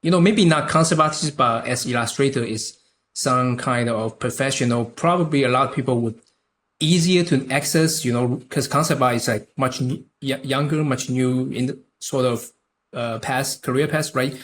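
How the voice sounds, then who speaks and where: Taiwanese man talking haltingly, faint noise. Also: mid-range voice, a bit bright. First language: Chinese. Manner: halting, many restarts and fillers. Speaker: podcast guest, concept artist. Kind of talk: casual interview chat.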